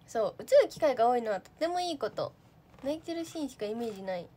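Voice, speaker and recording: A young woman in casual livestream chat, answering viewer comments in a fairly high voice that swoops up and down a lot. She is chatty and giggly, packs her talk with fillers and sounds relaxed and unscripted. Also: fast talker. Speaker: idol trainee livestreamer.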